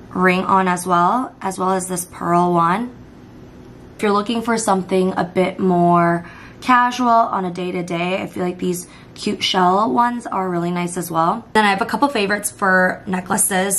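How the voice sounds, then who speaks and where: A young woman talks to a camera close by in a quiet room, in a friendly vlog style with plenty of "like" fillers. Her voice is worn and a little hoarse after days of talking. Her pitch sits in an ordinary middle range, with a faint hum behind her. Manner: chatty, upbeat, frequent "like" fillers. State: hoarse, voice partly lost. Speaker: lifestyle vlogger. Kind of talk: casual vlog chat to camera. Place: hotel room and home bedroom, indoors. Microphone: camera facing her at arm's length.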